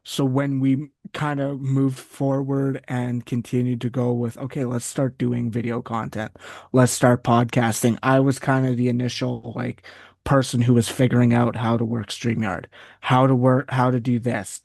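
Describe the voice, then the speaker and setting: A man's voice: medium pitch, level tone, moderate pace, vocal fry, a little mellow, no room sound, clean studio sound. A man from Canada, a guest chatting casually in an interview, rambling and often restarting as he goes on tangents. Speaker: guest, wrestling site writer.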